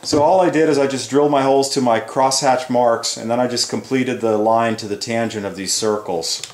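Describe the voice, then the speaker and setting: A man in his fifties talks casually through a shop task, folksy and a bit rambling. His mid-pitched voice rings in a roomy workshop. Clear tool clicks and rasping noise sit around it. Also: steady tone, a little fast. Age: 50s. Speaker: woodworking instructor, host. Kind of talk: casual hands-on demonstration talk. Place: indoor woodworking shop.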